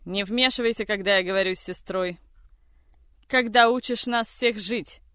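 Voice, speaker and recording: Figure: frightened woman voiced by a reader. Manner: pleading, raised, urgent. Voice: smooth and clear, higher and louder than the narration. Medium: audiobook. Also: normal speed, no room sound, clean studio sound, close to an everyday voice.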